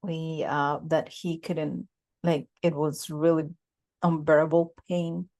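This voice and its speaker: A woman in her 40s from Bogota, Colombia, with a lowish, slightly mellow voice and little pitch movement, talks very slowly with lots of ums. She's a guest in a casual interview recounting her life. She's on a video call using a desk microphone in a bookshelf-lined home office.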